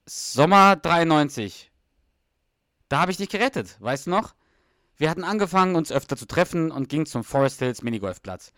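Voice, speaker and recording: Man reading a boastful middle-aged husband, brash, defensive, lively swings in pitch, sitcom dialogue. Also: normal speed, no echo, clean studio sound. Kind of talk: read-aloud sitcom dialogue.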